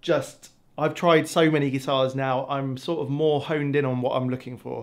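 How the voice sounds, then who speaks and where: A man with an English accent speaks at a moderate pace, his intonation fairly even. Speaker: guitar YouTuber. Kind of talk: casual vlog.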